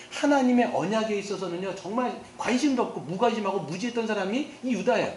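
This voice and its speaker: A high-pitched man at a very fast pace, animated with lively intonation, amid noticeable background noise and audible room echo. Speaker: pastor. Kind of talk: sermon.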